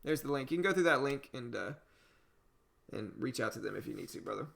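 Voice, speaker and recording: He talks fast, with a medium pitch and vocal fry, his slight Cajun accent marking him as from Louisiana. It's casual livestream chat: the day-trading host reads comments from viewers, relaxed and conversational, leaning on "you know."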